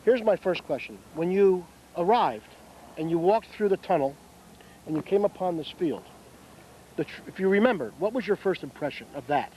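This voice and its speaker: A man interviewing outdoors at a model airplane competition, putting his questions haltingly and step by step. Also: high voice, lively intonation, a little mellow. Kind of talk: on-site field interview. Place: outdoors at a flying field. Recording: muffled, noisy outdoor field recording.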